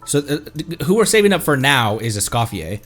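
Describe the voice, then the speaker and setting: A man's voice: mid-range voice, big pitch swings, moderate pace, a bit bright. A man streaming a game, rambling casually and thinking aloud to his viewers. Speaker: streamer, VTuber host. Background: music.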